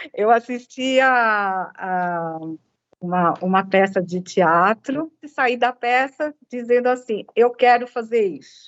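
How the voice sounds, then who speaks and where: A woman's fairly high voice, with ordinary pitch variation, moves at a very slow pace. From Brazil. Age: 60s. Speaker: entrepreneur and speech therapist. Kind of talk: interview.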